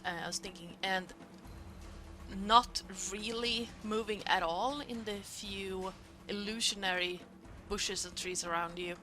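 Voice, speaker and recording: A woman with German as her first language, running a tabletop game as game master, talking in halting bursts full of fillers. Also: medium pitch, steady tone, pushed and bright, soft background music. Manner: halting, many fillers, quick laughs. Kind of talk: narrating a tabletop game and chatting.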